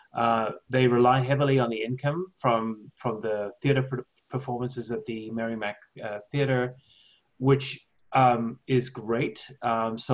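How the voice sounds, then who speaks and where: In a quiet background, a man's fairly even intonation holds at a moderate pace. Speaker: panelist. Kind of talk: spoken application review at a meeting. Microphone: video call.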